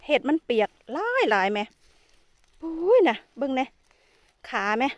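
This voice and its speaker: A woman's voice: high-pitched, big pitch swings, a little slow, no room sound. A woman with an Isan Thai accent chatting casually as she vlogs outdoors in a forest, exclaiming often. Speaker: vlogger. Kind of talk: casual vlog narration.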